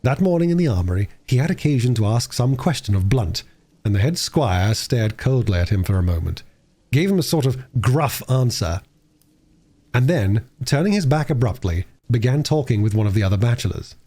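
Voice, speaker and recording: A man's voice: mid-range voice, dark tone. A man reading a classic novel aloud expressively, as an audiobook narrator. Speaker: audiobook reader and livestreamer.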